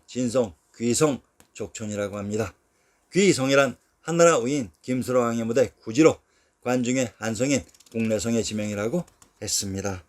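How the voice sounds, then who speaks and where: A man with a voice of ordinary pitch reads a scripted history narration. He keeps a steady, measured delivery as he works through long lists of place names.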